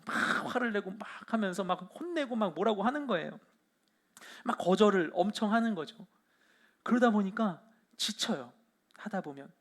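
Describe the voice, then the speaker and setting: A young adult male pastor preaching a sermon in storytelling style, with many fillers and animated retelling. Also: high-pitched. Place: church hall.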